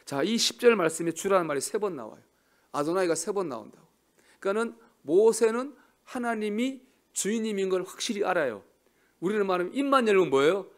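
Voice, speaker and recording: A man preaching a sermon as pastor, swinging between soft murmurs and loud emphatic cries and putting questions to the congregation. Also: high-pitched, expressive, fairly quick.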